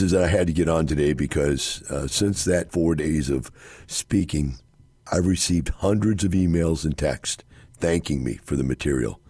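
A hoarse, middle-aged man hosts a radio show, his voice extremely low and husky from overuse. He talks casually and rambles, leaning on fillers and restarts. The studio sound is dry and close. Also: mellow, dry recording. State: hoarse, scratchy voice. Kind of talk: casual radio talk on investing.

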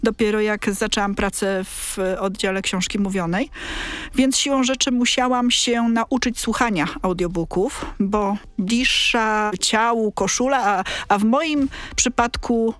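A middle-aged woman, a librarian, talks casually in a podcast conversation. Her voice sits at a middle pitch. She speaks unhurriedly, stopping to search for words and repeating little phrases as she goes. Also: a little slow, a bit bright. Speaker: librarian in a talking-book department.

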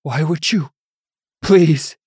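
A man voicing a shrill, panicked bishop. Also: expressive, moderate pace, husky, dry recording, clean studio sound. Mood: pleading panic. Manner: shrill, pleading, blustering. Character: panicked pompous middle-aged male bishop.

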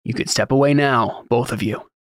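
A man voicing a weary taskmaster with quiet authority in a fantasy audiobook, curt and wry. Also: medium pitch, moderate pace, no room sound, studio quality, close to an everyday voice. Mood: stern. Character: stern, weary male overseer with quiet authority.

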